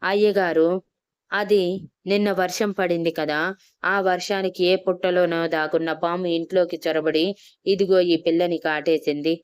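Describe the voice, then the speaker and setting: A woman reads a meek village farmhand in a storybook, bowing and explaining politely. The voice is low and very clear, with a dry close sound. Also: fairly even intonation, moderate pace, dry recording, lightly acted. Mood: deferential. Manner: deferential, explaining. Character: humble village farmhand, deferential man.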